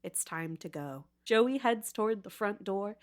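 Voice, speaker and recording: A woman's voice: medium pitch, expressive, measured pace. Playful woman narrating a story. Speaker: podcast host and narrator.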